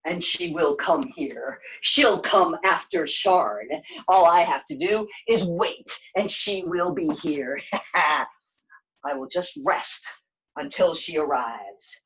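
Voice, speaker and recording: A woman voicing a weary, wise male dragon in a live puppet show, slow and deliberate, with a menacing edge. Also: low voice, animated, pitched below the performer's own voice, rough recording. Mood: calm resolve.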